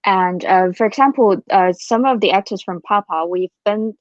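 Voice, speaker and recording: A woman's voice: medium pitch, moderate pace, no room sound, lo-fi sound. A woman actor from Hong Kong telling how she joined the company, speaking steadily in an interview. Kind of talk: casual interview talk.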